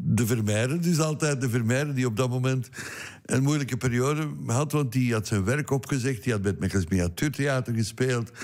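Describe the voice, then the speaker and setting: A man talks at a moderate pace with a Flemish accent. The background is quiet. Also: ordinary pitch variation. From Mechelen, Flanders, Belgium. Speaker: former radio presenter. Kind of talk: casual interview. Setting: studio. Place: studio. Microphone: studio mic.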